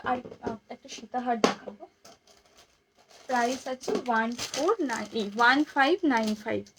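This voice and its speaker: A woman with a hoarse, worn voice talks softly on a live stream, showing jewellery and repeating each price again and again. Her voice sits a little high, and the chat is loose and friendly toward the viewers. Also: noisy background.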